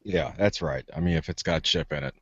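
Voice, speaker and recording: A man's voice: very deep voice, quick pace, no echo. A man co-hosting a tech podcast, teasing and playful in casual chat. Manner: teasing, playful, mock-smooth. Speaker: podcast co-host. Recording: dry, slightly dull home recording.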